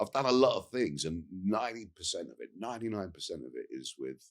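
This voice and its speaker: A man at a moderate pace, with a London accent. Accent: London British. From London (Brixton), England. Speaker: actor. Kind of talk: casual chat. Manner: animated.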